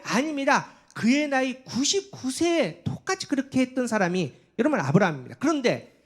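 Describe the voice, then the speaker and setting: A male pastor giving a sermon, often addressing the congregation and acting out prayers and divine speech with rising intensity. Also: very high voice.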